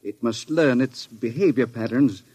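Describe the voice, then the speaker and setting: An actor playing a secretive, proud older scientist in an old radio drama, formal, precise and earnest. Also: male voice, medium pitch, measured pace, darkish tone, breathy edge, no room sound. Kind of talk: 1950s radio drama acting.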